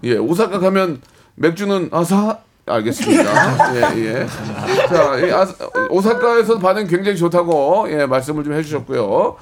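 A man's voice: a little high, expressive, normal speed. A man hosting a radio show, bantering casually with guests in a playful, teasing, informal way. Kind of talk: casual bantering celebrity interview. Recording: live with audience noise.

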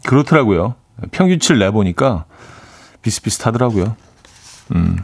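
A man's voice: on the low side, moderate pace, creaky, slight background noise. A man in his forties hosting a radio show, chatting casually and loosely with many fillers while answering listener messages. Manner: relaxed, rambling, many fillers.

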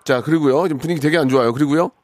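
A man's voice: on the high side, a little mellow, no echo, clean studio sound. A man hosting a radio call-in show, teasing and bossing callers in casual banter. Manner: teasing, bossy, quick-talking.

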